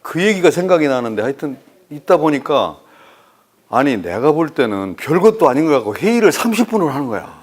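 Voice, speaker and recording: A man's voice: fairly high pitch, brisk. A man lectures like a storyteller, swinging his voice widely as he plays every part in his anecdotes. He teases and questions the listeners between the stories, keeping the talk joking and conversational. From Chungcheong, South Korea. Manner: animated storyteller who acts out dialogue and teases the audience. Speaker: university professor lecturing.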